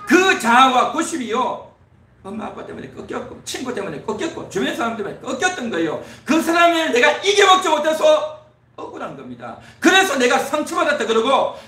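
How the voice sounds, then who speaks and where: Male pastor, high bright voice, lively delivery, preaching in a church, echoey and off-mic. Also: brisk, distant mic. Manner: preaching with rising emphatic repetition. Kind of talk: sermon. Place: church sanctuary.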